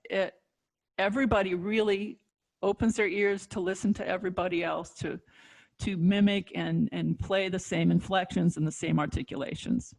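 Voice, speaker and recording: A woman's voice: on the low side, vocal fry, rough recording. A woman teaching saxophone on a video call, explaining at an easy pace with ums and restarts. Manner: relaxed explaining with fillers and restarts. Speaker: saxophone instructor. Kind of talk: online music lesson.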